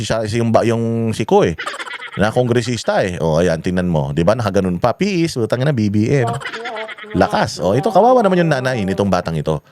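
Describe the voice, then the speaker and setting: A man from the Philippines talks straight to his viewers in loose, running commentary. His voice sits at an ordinary middle pitch, and his tone is scornful, full of curses and sarcastic questions. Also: a little mellow, a little hiss or hum. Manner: mocking, swears often, rhetorical questions. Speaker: commentary vlogger. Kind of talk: casual political commentary.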